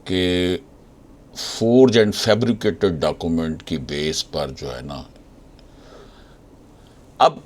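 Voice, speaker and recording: A man with a Pakistani accent giving a legal lecture as an advocate, deliberately reading out passages and then explaining them. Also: sits low, a little mellow. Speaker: advocate explaining case law.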